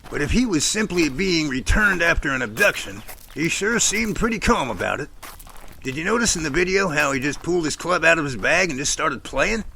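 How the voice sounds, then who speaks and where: A man playing an earnest, self-assured Bigfoot investigator in an audio drama, explaining things in measured, speech-like lines. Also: a little high, expressive, creaky, bright, forceful tone, a little hiss or hum, heavily acted. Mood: earnest, pondering. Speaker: actor in a Sasquatch audio drama. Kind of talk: amateur audio drama dialogue.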